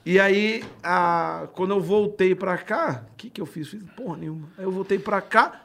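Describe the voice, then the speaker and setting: A man's voice: high voice, moderate pace, vocal fry. A man, a comedian and former radio announcer, telling stories in a casual podcast chat with lots of swearing and laughter. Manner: animated storytelling, swearing, laughs often.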